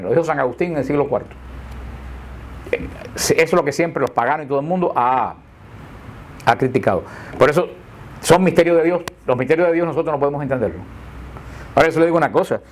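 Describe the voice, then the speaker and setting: A man's voice: mid-range voice, slight background noise. An older man teaching a group about the Catholic faith in a chatty, joking, storytelling way. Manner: chatty, jokey storyteller who laughs at his own slips.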